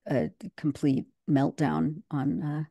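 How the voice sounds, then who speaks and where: Woman in her 30s, low mellow voice, dry close sound, talks with emphasis and lots of ums on a call. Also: very animated, slow, slightly rough, dry recording, lo-fi sound. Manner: fluent and emphatic, with many fillers. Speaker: guest commentator. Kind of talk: casual video-call discussion. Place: home room on a video call.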